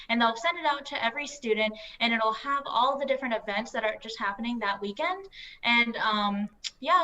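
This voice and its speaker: A woman's voice: fairly high pitch, sharp tone, muffled recording. A young woman from North Carolina, a student panelist answering questions on a video call, upbeat with many fillers. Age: young adult. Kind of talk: casual Q&A answers.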